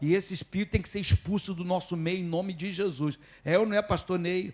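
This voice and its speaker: Animated in tone, a man speaks at a fairly quick pace. His pitch is high. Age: 60s. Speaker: pastor. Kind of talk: sermon. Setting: church.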